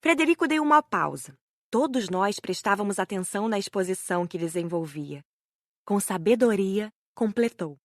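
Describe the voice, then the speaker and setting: A woman with a Brazilian accent reading scripted first-person audiobook narration, measured and carefully enunciated. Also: mid-range voice, lively intonation, dry recording, clean studio sound. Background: music bed.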